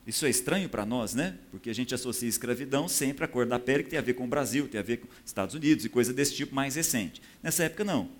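A man's voice: medium pitch, lively intonation, fast talker, hardly any pauses. A man preaching a sermon. He teaches from scripture in a conversational way and often checks in with his listeners.

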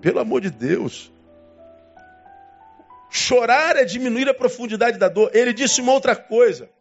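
A man preaching a sermon as pastor, emphatic, with dramatic swings in pitch and long pauses. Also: animated, dull audio, soft background music.

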